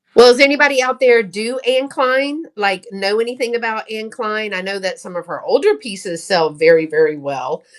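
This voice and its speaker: A woman with a Southern US accent speaks in a fairly high voice, with very wide pitch swings and big swings in loudness. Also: moderate pace, hardly any pauses. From US South, Texas. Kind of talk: casual livestream chat.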